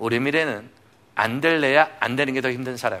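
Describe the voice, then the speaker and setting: A man's animated voice with a bright, sharp tone. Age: 40s. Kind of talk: sermon-style lecture to a studio audience.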